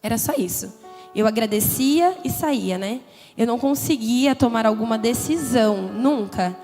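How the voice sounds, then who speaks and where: A young woman with a São lilt, her voice sitting a little high, tells her own story to a church youth gathering. She talks candidly and conversationally, with a lot of feeling, and her words ring out in a big hall with long reverb and faint music underneath. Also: lively intonation, moderate pace. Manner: candid, conversational, emotional, frequent "né?" tags. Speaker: testimony speaker. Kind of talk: personal testimony at a church youth congress. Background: soft background music.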